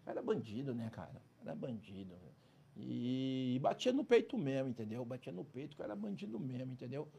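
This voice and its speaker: A man's voice: medium pitch, very animated, brisk, creaky, dark tone, husky, lo-fi sound. A man, a former criminal, telling his story in a casual interview, emphatic and streetwise, constantly checking in with his listener. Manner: emphatic, streetwise, keeps adding "entendeu?" and "cara". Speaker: interview guest, former criminal turned prison speaker.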